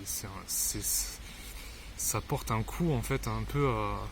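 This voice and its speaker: A man's voice: on the low side, slow, noisy background. A man giving unscripted commentary, hesitant, with many fillers and repeated words. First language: not Arabic.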